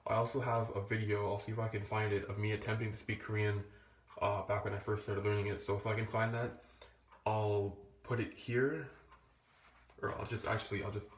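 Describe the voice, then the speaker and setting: A man's voice: fairly low pitch, flat delivery, brisk. A young man talking casually to camera as a language-learning vlogger, rambling and restarting his sentences. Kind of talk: casual vlog talk. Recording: echoey room.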